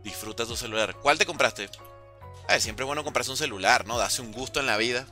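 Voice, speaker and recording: A man's voice: medium pitch, a little fast, faint music behind. A man streaming a zombies game live, talking to his chat, thanking donors and yelping in alarm when things go wrong. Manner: excitable, yelps and repeated cries of alarm; chatty with viewers, thanks donors. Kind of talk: live gameplay commentary, reading chat.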